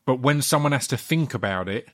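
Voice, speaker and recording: Guy hosting a podcast, mid-pitch voice, asks long rambling questions. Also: expressive, brisk. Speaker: podcast host. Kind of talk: casual interview.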